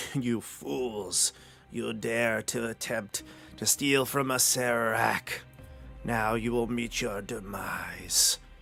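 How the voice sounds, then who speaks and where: Over clear music in the background, a man puts on a raspy character voice at medium pitch and a very slow pace. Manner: booming, menacing.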